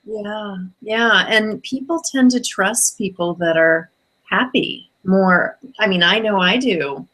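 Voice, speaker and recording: A woman's voice: mid-range voice, slow, fairly bright tone, low-quality recording. A woman hosting an interview and coaching, affirming her guest in a friendly way with fillers. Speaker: host and business coach. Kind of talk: conversational interview.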